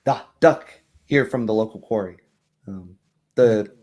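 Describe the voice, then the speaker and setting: Tabletop noblewoman, played by a man: gracious, concerned host, low mellow voice, formal hesitant phrasing. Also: measured pace. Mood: amused, gracious. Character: courteous, concerned noblewoman, a baroness hosting guests.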